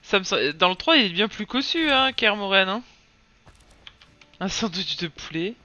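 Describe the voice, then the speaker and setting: Woman streamer with a lively, bright voice. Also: medium pitch, moderate pace, muffled recording. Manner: comforts a crying child between game remarks. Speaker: game streamer. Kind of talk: casual gameplay commentary.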